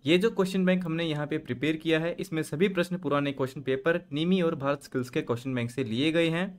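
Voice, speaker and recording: A man's voice: on the high side, fast talker. A man hosting a screen-share lesson, reading each multiple-choice question aloud and then explaining the answer step by step. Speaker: channel host and tutor. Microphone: voice-over on screen recording.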